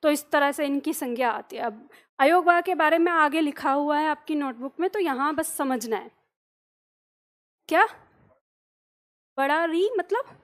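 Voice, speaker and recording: A woman's voice: sits high, measured pace, long pauses, a bit bright. A woman teacher patiently explaining a lesson to her students, often checking that they follow along. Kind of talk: classroom lesson.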